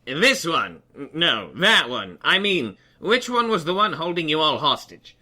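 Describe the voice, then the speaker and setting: Woman as a bright, hammy, pompous royal. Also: deep voice, big pitch swings, unhurried, full character voice. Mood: insistent. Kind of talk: audio drama comedy acting.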